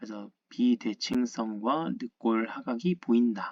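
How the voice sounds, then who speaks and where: A man speaks at a medium pitch against a quiet background, the sound dry and close with no echo. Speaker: physical therapist, book reviewer. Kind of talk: tutorial, book review lecture. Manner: many filler sounds, halting.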